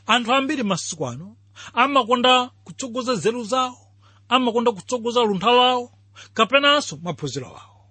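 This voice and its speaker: A man gives a didactic radio sermon. His voice is high for a man and husky, with a forceful edge. He explains scripture and puts questions to his listeners. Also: expressive, fast talker, dry recording. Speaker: radio Bible teacher. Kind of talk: radio sermon, Bible exposition.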